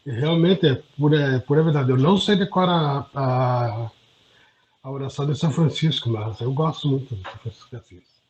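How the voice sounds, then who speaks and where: A man's voice: mid-range voice, a little fast, darkish tone, slight background noise. A man sharing earnest, self-deprecating reflections in a group discussion over a video call. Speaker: study group participant. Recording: dull lo-fi audio.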